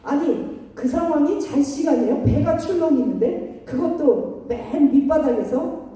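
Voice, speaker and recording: A middle-aged woman preaching a lively sermon, telling stories animatedly, acting out voices and laughing often. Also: high voice, a little slow. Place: church sanctuary. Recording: echoey hall from far off.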